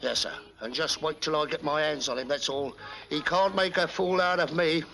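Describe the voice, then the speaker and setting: An actor playing an earnest, fretful police sergeant. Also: male voice, a little high, steady tone, normal speed, pushed and bright, low-quality recording. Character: eager, gloomy male police sergeant.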